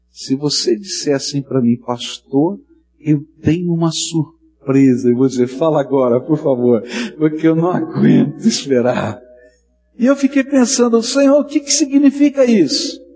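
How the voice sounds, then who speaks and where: A man speaks at a fairly slow pace in a fairly high pitch, his voice swinging very widely up and down. Music plays in the background. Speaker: pastor. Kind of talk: expository sermon with scripture reading and closing prayer. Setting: church. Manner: earnest, teacherly preaching pace, building to fervent prayer.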